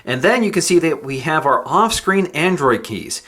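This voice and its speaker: A man reviewing tech, calmly explaining each step of a phone unboxing as he goes. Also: fairly high pitch, moderate pace. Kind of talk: product unboxing walkthrough.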